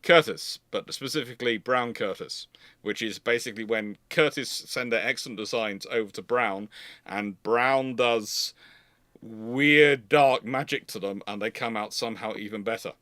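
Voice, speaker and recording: A man's voice: medium pitch, moderate pace, pushed and bright, no room sound, studio quality. A man hosting a live unscripted Q&A, explaining in a rambling way and often repeating and restarting his phrases. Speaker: host of a live naval history Q&A.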